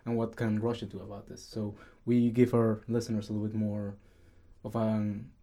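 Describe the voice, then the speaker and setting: Young male co-host, student, mellow and low-voiced, earnest. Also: level tone, moderate pace. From Caracas, Venezuela. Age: young adult. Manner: earnest, with fillers and restarts. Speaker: podcast co-host. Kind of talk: casual student podcast chat.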